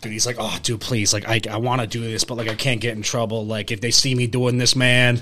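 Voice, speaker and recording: Noticeable background noise runs behind a man speaking at a medium pitch with an American accent. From Rochester area, New York. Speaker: podcast co-host. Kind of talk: casual chat. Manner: animated.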